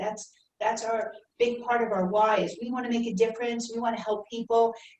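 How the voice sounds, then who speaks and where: In a New York accent, a woman talks at a fairly high pitch. She speaks at a fairly quick pace. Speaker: networking group member. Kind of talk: group discussion. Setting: meeting room with video call. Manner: animated.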